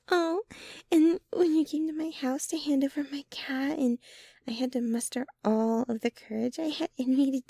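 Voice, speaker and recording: Breathy, high-pitched sweet girlfriend played by a woman. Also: dry recording, clean studio sound, full character voice. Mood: flustered, affectionate. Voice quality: soft, breathy, often near whisper. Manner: bashful, giggly, halting, gushing. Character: sweet, shy, giggly, obsessively devoted young girlfriend. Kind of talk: ASMR girlfriend roleplay audio. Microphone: close microphone, dry sound.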